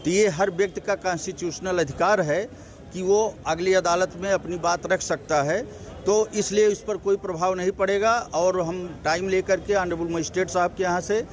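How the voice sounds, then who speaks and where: Man, lawyer at a press statement: measured, legalistic, a bit higher pitch, outdoors by traffic. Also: fairly even intonation. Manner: formal, legalistic, mixes English legal terms. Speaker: complainant's lawyer.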